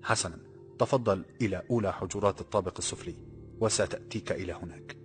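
Man reading as nervous palace guard, apologetic, deferential, low, brisk, faint music. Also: lightly acted.

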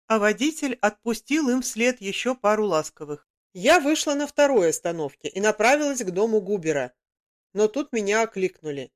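A woman reading a first-person story aloud as an audiobook, with lively storytelling. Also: mid-range voice. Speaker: narrator.

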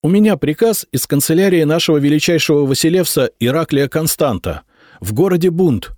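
A man voicing a young man disguised as a courtier in an audiobook, speaking in a shrill, squealing rush. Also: expressive, a little fast, a little mellow, dry recording, studio quality, lightly acted. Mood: urgent.

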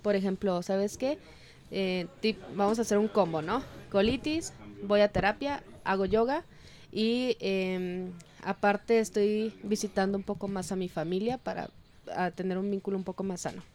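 Mellow-voiced Mexican woman explaining casually. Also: medium pitch, normal speed. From Durango, Mexico. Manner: conversational, acts out imagined dialogue. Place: studio in Guadalajara.

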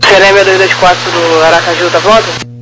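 A man working as an air traffic controller, reading clipped clearances to aircraft over a walkie-talkie style radio. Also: sits high, flat delivery, brisk. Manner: clipped procedural phrasing. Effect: over walkie-talkie style aviation radio. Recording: noisy aviation radio transmission.

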